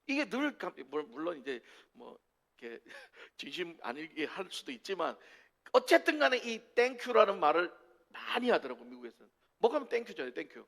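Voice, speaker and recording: A man's voice: high-pitched, big pitch swings, brisk, fairly bright tone. A man from Korea preaching a sermon as pastor, asking rhetorical questions and mixing humor into his preaching.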